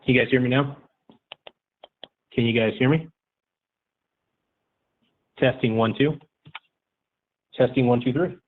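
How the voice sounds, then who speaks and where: A man's voice: mid-range voice, unhurried, pauses often. A man hosting a live stream calls in on his phone's speakerphone and counts off a casual mic check. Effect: speakerphone on a cell phone. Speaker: livestream host. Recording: tinny speakerphone phone line.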